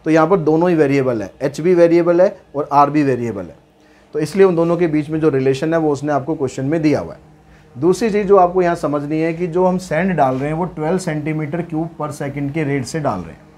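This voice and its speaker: A slightly high, darkish male voice belongs to a maths teacher who chats his way through problems step by step, supplying answers to his own questions. English problem text is read out slowly and deliberately.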